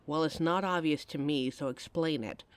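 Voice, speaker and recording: A woman's voice: sits low, normal speed, no echo, natural voice. A woman playing a caring young adult girlfriend in an audio roleplay, talking intimately and emotionally straight to the listener on a close mic. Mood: tender, reassuring.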